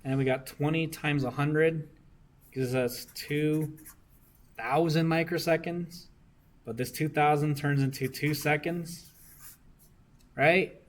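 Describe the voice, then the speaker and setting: A man's voice: a little high, steady tone, takes it slowly, long pauses. A young man working circuit homework problems for a class, often asking "right?" to check that students follow. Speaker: engineering discussion instructor.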